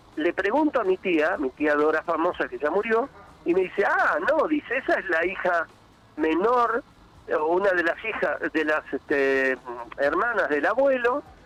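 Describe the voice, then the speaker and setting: Over noticeable background noise, a man with a high pitch speaks at a fairly slow pace with very wide pitch swings in a dry, close sound with no echo. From Buenos Aires, Argentina. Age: 70s. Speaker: veterinarian. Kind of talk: interview. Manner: animated.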